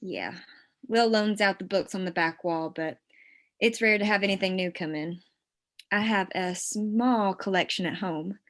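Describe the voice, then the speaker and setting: An actress playing a self-possessed, flirtatious store clerk in a script table read, with a dry, teasing delivery. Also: female voice, medium pitch, unhurried, natural voice.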